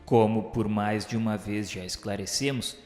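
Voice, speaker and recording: An actor with a Brazilian accent playing a solemn male spirit narrator in a radio drama, speaking in formal, measured, declamatory literary phrases. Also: on the low side, fairly even intonation, close to an everyday voice. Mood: solemn, reverent. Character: solemn male spirit recounting his afterlife studies and remorse. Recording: echoey hall reverb under music. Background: background music.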